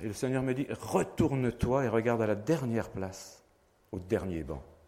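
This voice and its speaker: Lively intonation marks this man's speech. His pitch is medium and his tone dark and mellow. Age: 60s. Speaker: church elder candidate. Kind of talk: testimony. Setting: church.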